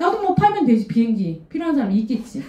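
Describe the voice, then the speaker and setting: Audible room echo surrounds a woman speaking at a high pitch. Her animated tone moves through very wide pitch swings. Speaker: network marketing business presenter. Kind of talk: sales presentation lecture.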